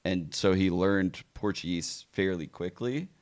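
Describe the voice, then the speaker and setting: Man, very low voice, casual swearing streamer, relaxed reactions. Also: measured pace. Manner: laid-back, swears, laughs often.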